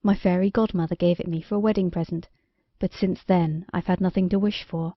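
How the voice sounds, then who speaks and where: A woman voicing a kindly, sensible fairy-tale king and fond father in a measured, gently authoritative way. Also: fairly low pitch, steady tone, no room sound, lo-fi sound. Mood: tender, reassuring. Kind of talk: storybook character dialogue.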